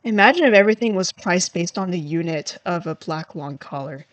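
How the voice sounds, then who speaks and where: A woman's voice: lowish voice, animated, a little fast, dry recording. A woman livestreaming, chatting casually and thinking aloud in a rambling, self-deprecating way, her voice starting to tire. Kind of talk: casual livestream chat while coding.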